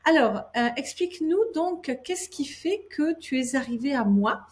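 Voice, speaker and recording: A woman's voice: sits high, lively intonation, a little slow, a little mellow. A woman hosting and interviewing as an image consultant, upbeat and encouraging, with emphatic delivery. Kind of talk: presenter introduction and interview.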